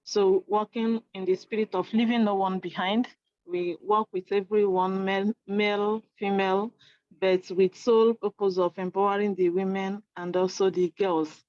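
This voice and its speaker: A woman from Nigeria, a lecturer and organization director, introducing herself formally in an earnest, measured way on a video call. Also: mid-range voice, little pitch movement, no room sound. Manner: earnest, measured, slightly hesitant. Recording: dry lo-fi call audio.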